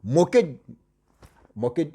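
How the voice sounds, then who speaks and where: A man telling a spooky cautionary tale in casual spoken French, animated and repetitive, speaking straight to his listeners. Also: on the high side, slow pace, husky. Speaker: storyteller.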